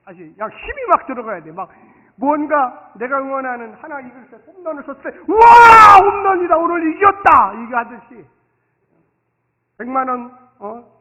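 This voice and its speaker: A man preaching a Sunday sermon as pastor, animated, swinging from soft asides to loud exclamations and leading the congregation to repeat after him. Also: very high-pitched. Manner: acts out dialogue and leads the congregation in call-and-response. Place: church sanctuary. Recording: reverberant hall, thin phone-like sound.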